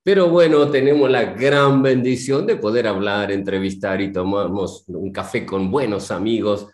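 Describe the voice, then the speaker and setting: A man's voice: lowish voice, moderate pace, roomy sound. An older man with a Rioplatense Spanish accent, a reverend hosting a friendly studio interview at a desk mic, speaking affectionately to his guest. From Argentina. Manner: warm, affectionate toward guest. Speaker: host, reverend. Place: studio with purple-lit backdrop. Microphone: desk podcast mic.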